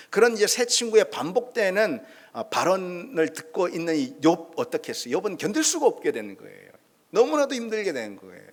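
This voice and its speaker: A male pastor preaching a Sunday sermon, reading scripture and acting out the quoted complaints with feeling. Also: fairly high pitch. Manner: animated, voicing Job's complaints in quoted speech. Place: church sanctuary.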